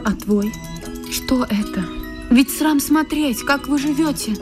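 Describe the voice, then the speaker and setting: Smug, high-voiced worldly sister. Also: female voice, slow. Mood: scornful. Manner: condescending, coaxing, self-satisfied. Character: smug, worldly young married sister, bossy and materialistic. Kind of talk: radio play acting. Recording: music behind the voice.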